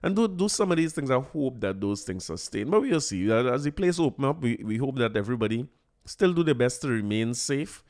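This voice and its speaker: A Trinidadian man hosts a podcast of casual solo commentary in a mid-range, sing-song, slightly mellow voice at a somewhat fast pace. He jokes around, laughs often, and repeats words.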